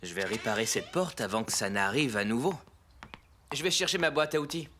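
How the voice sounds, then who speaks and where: Lively, gentle cartoon dad. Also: male voice, medium pitch, a little fast. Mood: helpful. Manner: gentle, reassuring. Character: calm, reassuring young father, patient and helpful. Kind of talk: cartoon dubbing. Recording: music behind the voice.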